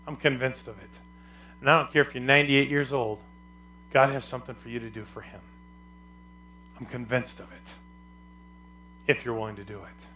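A male pastor preaching a sermon with a loud, carrying voice and emphatic, repetitive phrasing. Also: mid-range voice.

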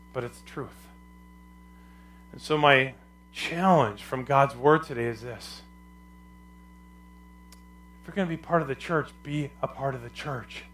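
A male pastor preaching a sermon with a loud, carrying voice and emphatic, repetitive phrasing. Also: medium pitch.

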